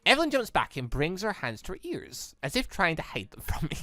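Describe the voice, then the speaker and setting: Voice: mid-range voice, huge pitch swings, brisk, bright, forceful tone, no echo. A chatty gaming host reading a visual novel aloud and commenting on it, stumbling over lines now and then.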